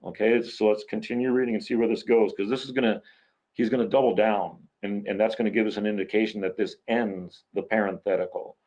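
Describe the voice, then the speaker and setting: A man's voice: on the low side, steady tone, brisk, darkish tone, low-quality recording. A man hosting a casual Bible study, reading scripture aloud and breaking off into rambling, self-correcting explanations.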